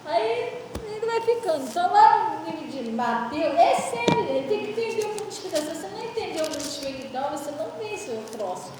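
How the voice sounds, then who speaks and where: A woman pastor preaching a storytelling sermon, animated and laughing, in a church. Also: very high-pitched, fast talker, very noisy. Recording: echoey church hall, mic far off.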